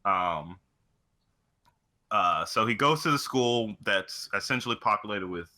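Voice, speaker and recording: A man's voice: on the low side, lively intonation, unhurried, pushed and bright. A young man co-hosting a casual chat in a blunt, irreverent way, swearing casually. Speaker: podcast co-host.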